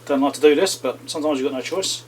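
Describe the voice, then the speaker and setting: The host of an electronics repair channel, a fast-talking man with a slightly high voice, keeps up a casual commentary while repairing. He talks himself through each step and chats to viewers along the way, with slight background noise present.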